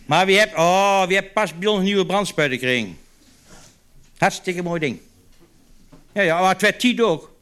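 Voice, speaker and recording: A man's voice: high voice, normal speed, pauses often, a bit bright, a little hiss or hum. A man doing stand-up comedy. He tells long joke stories in a chatty way, trips over repeated little words at the start, and slips into voices for the people in the stories. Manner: switches into character voices for quoted dialogue.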